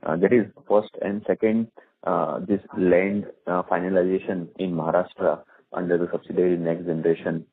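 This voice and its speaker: A man asking follow-up questions on an earnings call, halting with many fillers. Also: low-pitched, flat delivery. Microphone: phone line. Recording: husky tinny phone line.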